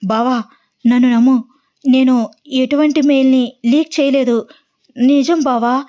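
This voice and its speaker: A woman voicing a young woman who pleads while crying, in a raised, higher voice. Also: steady tone, a little slow, mellow, muffled recording. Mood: tearful pleading. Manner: high, pleading.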